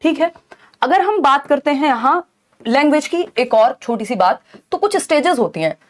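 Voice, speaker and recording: High-voiced woman teaching an exam-prep class. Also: expressive, moderate pace. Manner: explanatory, checks in with students often.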